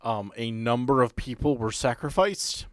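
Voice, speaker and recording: A man acting as game master on a podcast, explaining and narrating off the cuff with halting sentences. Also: mid-range voice, no room sound, studio quality. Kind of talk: improvised narration and table chat for a tabletop game podcast.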